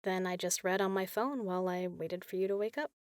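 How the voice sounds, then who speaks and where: A woman playing a caring, teasing big sister in an intimate comfort roleplay, talking softly and casually. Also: on the low side, fairly quick, clean tone, no echo, clean studio sound, close to an everyday voice. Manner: soft, soothing, casual, playful.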